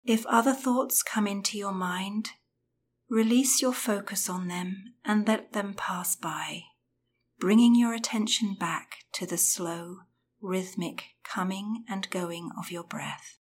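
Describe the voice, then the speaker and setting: A woman guiding a breathing meditation in a soft, soothing voice that often drops to a whisper. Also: mid-range voice, takes it slowly, a little hiss or hum. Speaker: meditation guide.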